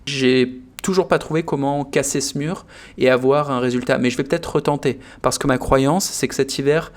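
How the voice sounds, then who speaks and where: A French man hosting a casual interview, speaking in a measured, reflective way and explaining his views at length. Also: mid-range voice, steady tone. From France. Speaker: host.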